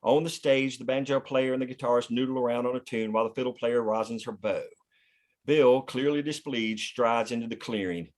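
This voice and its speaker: A man serves as narrator at a screenplay table read. He reads scene headings and action lines in a scripted narration style, at an average male pitch. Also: steady tone, fairly quick. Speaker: stage-direction narrator.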